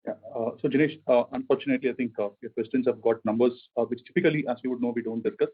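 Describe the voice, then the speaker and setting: A man speaking as a company finance executive, giving measured corporate answers to analysts on an earnings conference call. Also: mid-range voice, fairly even intonation, slightly rough. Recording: phone-like conference call line.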